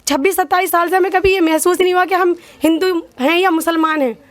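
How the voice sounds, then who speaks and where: A woman's voice: extremely high pitch, fairly even intonation, quick pace. A woman interviewed in the street, speaking in an impassioned, pleading way. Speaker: riot victim interviewee.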